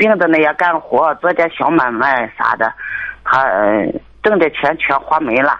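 A woman speaks fairly slowly with a very deep, low pitch and lively intonation. Noticeable background noise runs underneath. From Gansu, China. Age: 40s. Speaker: caller, widowed migrant worker. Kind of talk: phone-in advice call. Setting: phone call.

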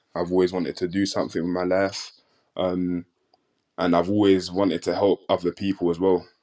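A man with a London accent speaks at a moderate pace in a very deep, low pitch. His intonation is monotone and flat, on a very clean recording with a silent background. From South London. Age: 20s. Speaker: professional footballer. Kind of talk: interview.

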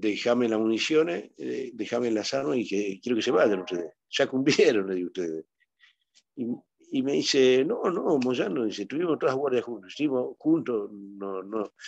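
A man with a Rioplatense accent speaks at a moderate pace. His medium-pitched voice has lively intonation. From Argentina, Buenos Aires south zone (Isla Maciel, Avellaneda). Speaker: war veteran. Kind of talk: testimony. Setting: video call.

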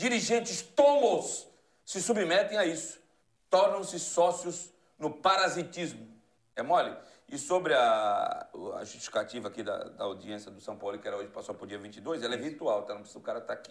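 The speaker keeps a moderate pace. Their loudness swings a lot. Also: man. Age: 40s. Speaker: sports show host. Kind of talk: sports talk show. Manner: animated; loud, shouting.

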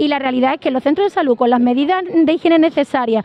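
A woman's high, very fast voice with lively intonation amid noticeable background noise. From Andalusia, Seville province. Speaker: opposition town councillor. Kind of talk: political statement in interview.

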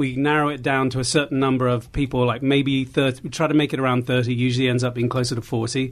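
Speaking at a very fast pace with hardly any pauses, a man uses monotone, flat intonation in a British accent. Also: medium pitch for a man. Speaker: TV producer. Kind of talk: casual interview chat.

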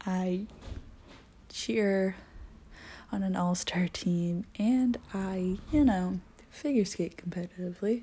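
Somewhat breathy and dark, mellow in tone, a woman speaks at a very slow pace with ordinary pitch variation on a very clean recording with a silent background. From Nova Scotia, Canada (Kentville). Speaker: podcast host, college student. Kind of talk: casual monologue.

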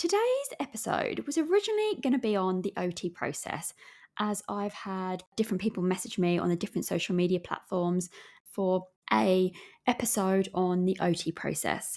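A woman with a slight Australian accent speaks at a moderate pace and a medium pitch with ordinary pitch variation, recorded very cleanly against a silent background. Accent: English with slight Australian twang. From England. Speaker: occupational therapist podcast host. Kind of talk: solo podcast monologue.

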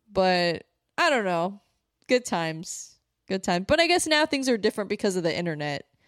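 A woman with an American accent, medium pitch and very wide pitch swings, at a moderate pace, in a dry, close sound with no echo and a very clean recording with a silent background. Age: 20s. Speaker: fitness podcaster. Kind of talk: casual solo chat. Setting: home recording with microphone. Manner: casual, filler-heavy.

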